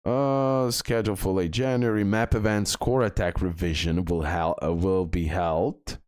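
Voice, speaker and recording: A man's voice: deep voice, fairly even intonation, measured pace, a little mellow, dry recording, studio quality. A man giving casual commentary on game news and talking through images on screen, with frequent filler sounds. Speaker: gaming video creator.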